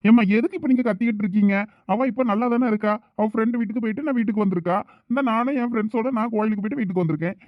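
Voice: mid-range voice, very fast, no echo, phone-quality sound, natural voice. A performer playing an irritated college-going son arguing with his mother in a village comedy skit, with a Thoothukudi Tamil accent. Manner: irritated, argumentative.

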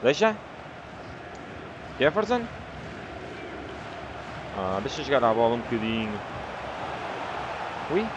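A man with a European Portuguese accent giving excitable, shouting commentary while playing a football game. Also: medium pitch, takes it slowly, long pauses, dull audio, background noise. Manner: excitable, shouts at the game, calls players by name. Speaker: gamer. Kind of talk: gameplay commentary.

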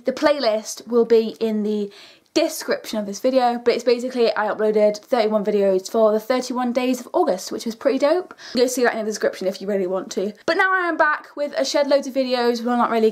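A young woman with a British accent and a fairly high voice chats casually to her camera. Her delivery is informal and slangy, with a self-deprecating streak, as a video blogger talking to her followers. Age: young adult.

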